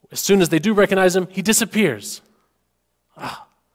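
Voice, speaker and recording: A man with an American accent speaks at a moderate pace and a high pitch. The sound is dry and close, with no echo. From Arkansas, US South. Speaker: pastor. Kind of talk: sermon. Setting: church.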